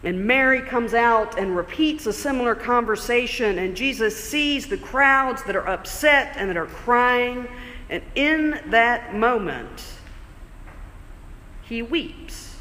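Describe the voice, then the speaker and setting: A man preaching a sermon in a church, conversational and explanatory, slowing down for emphasis. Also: very high voice, lively intonation, sharp tone. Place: church sanctuary. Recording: long church reverb.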